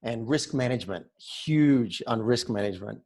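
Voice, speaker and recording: Guest, Australian man, 50s, energetic and conversational. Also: medium pitch, moderate pace. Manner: upbeat, chatty, restarts words often. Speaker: podcast guest. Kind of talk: casual interview chat.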